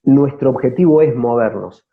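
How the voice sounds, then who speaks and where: A man's voice: medium pitch, moderate pace, phone-quality sound. A man with an Argentine accent from Córdoba giving conversational interview answers as an actor, feeling for words and repeating them as he goes. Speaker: theatre company actor, interview guest.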